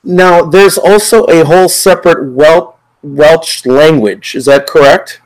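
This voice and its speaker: A man's voice: a little high, unhurried, poor audio. A man interviewing a guest, asking long, rambling questions with hesitations.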